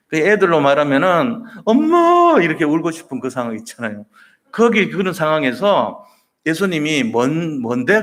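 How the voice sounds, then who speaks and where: A male pastor preaches with a voice that rises and falls a great deal. He tells the story vividly and slips into the voices of the people in it. His pitch sits in a middle range. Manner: lively storytelling, acting out voices in quotes. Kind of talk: sermon.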